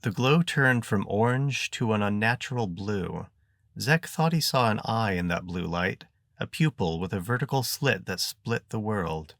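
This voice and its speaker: A man narrating an adventure story in an even, measured way. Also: lowish voice, dry recording, studio quality. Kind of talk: audiobook narration.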